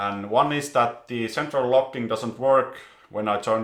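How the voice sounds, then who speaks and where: A man with a Finnish accent, medium pitch, fairly even intonation and a fairly slow pace. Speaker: car repair video maker. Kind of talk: vlog tutorial. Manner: halting, hesitant.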